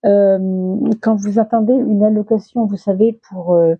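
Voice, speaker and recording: A woman's voice: medium pitch, fairly even intonation, unhurried, slightly rough, dry recording, highs cut off. A woman giving a casual monthly tarot reading, hesitant with many fillers and restarts, her voice getting worn and throaty. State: losing her voice, clears throat. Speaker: tarot reader.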